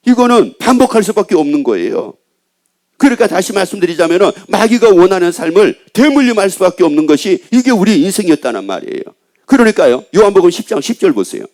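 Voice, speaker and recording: High-voiced Korean pastor preaching. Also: male voice, a little mellow. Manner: asks the congregation questions and answers them himself. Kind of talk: sermon.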